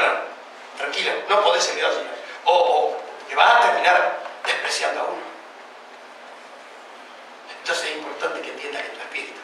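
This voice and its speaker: A male preacher with an Argentine accent delivers his sermon with fervor, his voice pitched very high and sharply bright. He keeps turning to his listeners with pointed questions. The sound is roomy and echoing, picked up from some distance in a church hall with faint noise behind. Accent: Argentine Spanish. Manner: impassioned, addresses listeners as brother, rhetorical questions.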